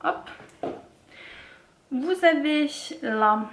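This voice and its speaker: Woman vlogger, casual and rambling, slightly high voice, roomy echo. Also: expressive, extremely slow, slight background noise. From France. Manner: chatty, many fillers and restarts. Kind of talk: casual haul vlog.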